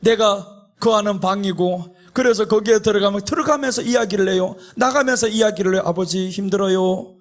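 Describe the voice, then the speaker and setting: A man preaching as a pastor in an impassioned, conversational style, emphatic and repetitive, exhorting listeners with rhetorical questions. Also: sits high. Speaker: pastor preaching at a prayer retreat.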